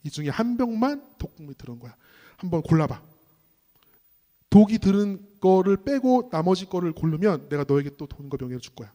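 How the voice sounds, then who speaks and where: A man voicing a sly, mocking male devil who taunts and tempts. He speaks low and hushed. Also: big pitch swings, fairly quick. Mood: taunting. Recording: long reverb in a hall.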